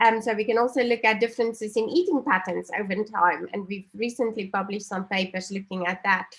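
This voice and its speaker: Somewhat breathy, a woman with a South African accent and a fairly high pitch speaks at a fairly quick pace with ordinary pitch variation and hardly any pauses. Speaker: dietitian and allergy researcher. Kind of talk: podcast interview.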